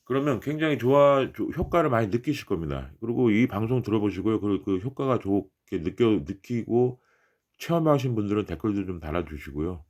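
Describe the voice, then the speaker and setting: A man's voice: fairly low pitch, lively intonation, a little fast, darkish tone. A middle-aged man giving unscripted health advice straight to viewers in an emphatic, repetitive, politely urging way.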